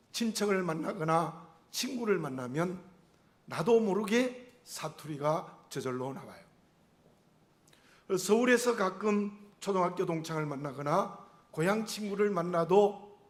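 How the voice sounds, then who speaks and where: Here a middle-aged pastor, a man whose intonation reflects a regional Korean dialect, gives a sermon. He is earnest and measured, asks rhetorical questions, and his voice sits high.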